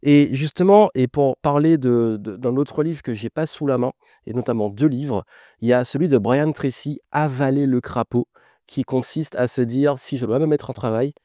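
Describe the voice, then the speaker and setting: A man's voice: medium pitch, normal speed, dark tone, no echo, clean studio sound. A man, an author, casually explaining the ideas in his book to camera, enthusiastic and full of asides.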